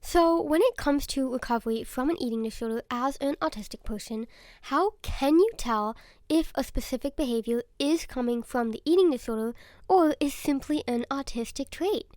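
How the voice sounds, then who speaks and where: High-voiced young woman, slightly raspy and congested. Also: normal speed, darkish tone, no echo, studio quality. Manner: earnest, openly personal. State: sore throat and stuffy nose. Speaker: podcast host. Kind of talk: solo podcast monologue.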